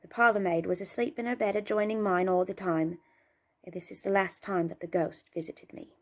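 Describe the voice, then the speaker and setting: A woman playing a shaken young servant, giving a hurried witness account in a dramatic reading. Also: medium pitch, steady tone, close to an everyday voice. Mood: uneasy, insistent.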